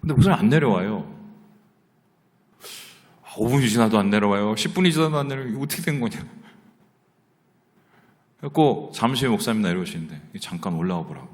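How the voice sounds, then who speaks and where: A male pastor giving a Sunday sermon in a church sanctuary, telling stories animatedly and moving between hushed and loud passages. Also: medium pitch, lively intonation, brisk, pauses often. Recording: long church reverb.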